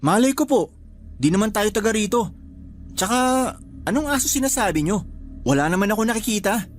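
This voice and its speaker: A man's voice: sits high, expressive, a little fast. A man playing a reluctant young nephew who questions his uncle in a radio drama. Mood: alarmed. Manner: reproachful, jumpy. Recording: music underneath.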